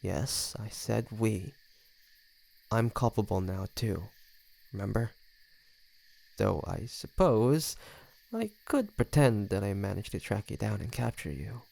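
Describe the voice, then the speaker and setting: Man voicing a smug, creaky low-voiced flirty vampire. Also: lively intonation, slow, pauses often, darkish tone, exaggerated voice. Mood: smug teasing. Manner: teasing, smug, sardonic. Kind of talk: scripted audio roleplay addressed to the listener.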